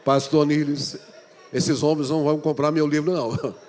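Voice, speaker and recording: A male pastor preaching a sermon, telling a story and acting out the dialogue in an animated way. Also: on the high side, moderate pace, slight background noise. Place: church hall. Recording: long reverb of a large hall.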